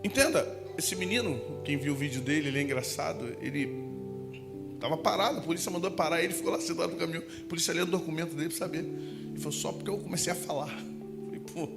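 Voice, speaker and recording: Brief: Rio-male preacher, high voice, animated and joking, shouts for effect, music bed behind. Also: fast, gravelly. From Brazil. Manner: animated, humorous storytelling with shouted asides and impressions. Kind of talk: sermon.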